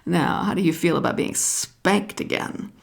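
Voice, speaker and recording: A woman voicing a knowing, smug snake in a children's story, speaking in a deliberate, instructive way. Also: fairly low pitch, vocal fry, voice pushed down. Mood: smug, coaxing. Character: bicolored python rock snake, knowing, smug adviser.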